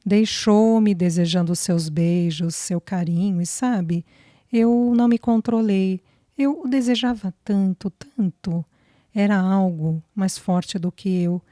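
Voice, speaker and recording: A woman's voice: on the low side, slow pace, mellow, no echo. A woman reading the lines of a young woman in love, fragile and hesitant, close to tears. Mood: tearful. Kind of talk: audiobook dialogue reading.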